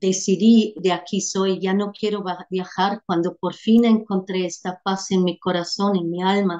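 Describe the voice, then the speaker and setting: Delivered in a German accent, the speech has monotone, flat intonation. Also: woman, quiet background. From Austria, small Alpine village. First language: German (speaking Spanish). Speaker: holistic therapist; guest. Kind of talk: interview. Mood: warm, reflective. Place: home room. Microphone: video call.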